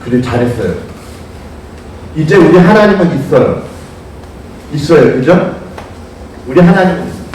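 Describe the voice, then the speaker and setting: A man preaching a lively storytelling sermon to young people, asking them questions and calling on them by name. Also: fairly high pitch, normal speed, long pauses, a little hiss or hum. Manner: animated, asks listeners questions, calls on them by name. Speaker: youth pastor. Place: church sanctuary. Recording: echoey church hall, distant mic.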